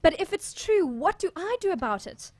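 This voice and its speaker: A woman's voice: very high-pitched, sing-song, normal speed, a little mellow, no echo. A woman playing a pious, motherly nun in an audio drama, soothing and hesitant, protective of her church. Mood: anxious.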